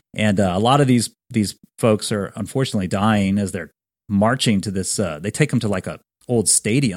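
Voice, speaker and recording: In a very clean recording with a silent background, a man speaks with an American accent at a moderate pace. His pitch is fairly low and varies in an ordinary way. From United States. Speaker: podcast host. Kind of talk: casual chat. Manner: halting.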